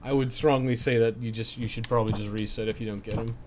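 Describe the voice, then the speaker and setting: A man's voice: medium pitch, steady tone, fast, very noisy. A man chatting casually and informally, with some swearing, as he livestreams a video game. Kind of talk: casual chat while playing a game. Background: game music.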